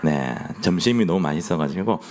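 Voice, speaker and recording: A man's voice: sits low, lively intonation, brisk, darkish tone. A young man with a Gyeongsang accent preaching a sermon, playful and joking with his congregation. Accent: Gyeongsang Korean. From Gyeongsang region of Korea.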